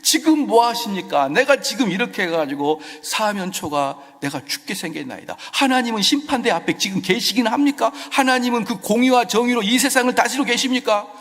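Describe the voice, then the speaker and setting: A man's voice: high-pitched, animated, brisk, few pauses, a bit bright, big-room sound, pitched above the performer's own voice, heavily acted. A male preacher acting out an anguished king who cries out and protests to God in prayer. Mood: pleading. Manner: crying out, pleading and protesting.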